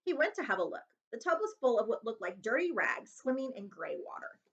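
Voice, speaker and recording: A woman librarian reading a children's novel aloud in an expressive storytelling style. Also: a little high, brisk, dull audio.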